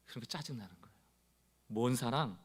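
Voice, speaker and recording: A man preaching a Sunday sermon as pastor, speaking straight to his congregation and acting out quoted complaints in a loud, rising voice. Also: mid-range voice, animated, brisk, breathy edge.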